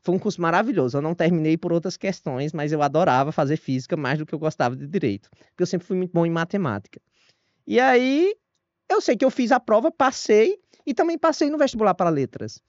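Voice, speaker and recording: A man with a northeastern Brazilian accent, a guest historian telling his own story in an interview, animated and self-deprecating. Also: sits high, fast talker, dry recording. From Northeast Brazil (Paraíba, Ceará). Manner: animated, self-deprecating, frequent restarts and laughs. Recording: dull lo-fi dry audio.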